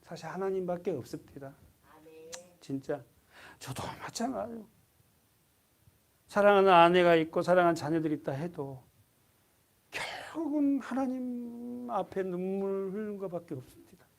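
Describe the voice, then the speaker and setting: A middle-aged man preaching a Sunday sermon in church, asking the congregation questions and having them underline verses, his voice rising to loud emphasis and dropping to near-whispers. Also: high-pitched, expressive, normal speed, creaky, long pauses. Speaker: pastor. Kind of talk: expository sermon. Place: church sanctuary.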